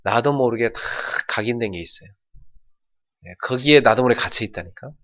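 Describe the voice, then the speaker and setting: A middle-aged man from North Jeolla preaching a sermon as pastor, telling folksy stories and shouting out imitations. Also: medium pitch, lively intonation, brisk, highs cut off. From North Jeolla, South Korea.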